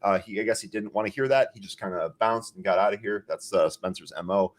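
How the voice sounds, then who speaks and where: A man's voice: fairly low pitch, fast. A man co-hosting a live trading show, talking candidly and loosely about filings and chat comments. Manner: relaxed, candid, with many fillers. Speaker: stock trading show co-host. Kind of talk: casual chat.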